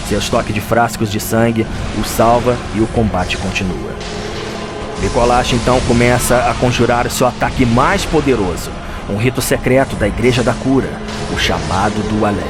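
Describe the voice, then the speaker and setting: A man with a Brazilian accent, giving dramatic scripted narration of a fantasy game story. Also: medium pitch. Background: music.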